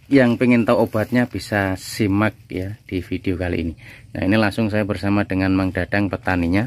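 A man's unremarkable speaking voice, fairly low in pitch, with fairly even intonation. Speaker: farm vlogger. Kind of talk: casual vlog chat. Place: open country.

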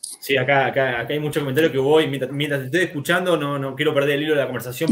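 A man with a medium-pitched voice talks at a very fast pace against light background noise. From Argentina. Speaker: livestream host interviewing emigrants. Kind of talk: live-streamed interview. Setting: online live stream with chat. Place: home room. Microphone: webcam.

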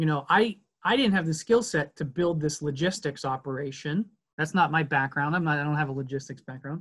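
Against a quiet background, a man with an American accent and a fairly high pitch speaks at a fairly quick pace with ordinary pitch variation. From Pittsburgh. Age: 30s. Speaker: nonprofit executive director. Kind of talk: casual interview. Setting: video call. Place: home room. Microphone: video call.

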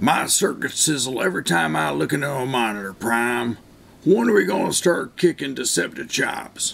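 A cartoonish character voice from a man, medium in pitch, at a moderate pace. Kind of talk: cartoon voice impression. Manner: eager, brash.

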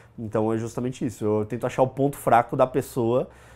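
Fairly quick speech over faint background music. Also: man. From Brazil. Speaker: internet humorist, website creator; interviewee, internet humor site creator. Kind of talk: interview monologue, casual storytelling. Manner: casual, filler-heavy. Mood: relaxed, amused storytelling. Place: office. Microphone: lapel.

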